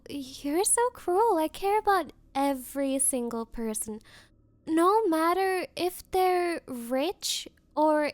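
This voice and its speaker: A young woman voicing a spoiled, possessive rich girl in an anime-style ASMR roleplay, coy and haughty with hesitant, valley-girl phrasing. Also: high-pitched. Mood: mock offended. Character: bratty spoiled rich girl, possessive, smitten but defensive.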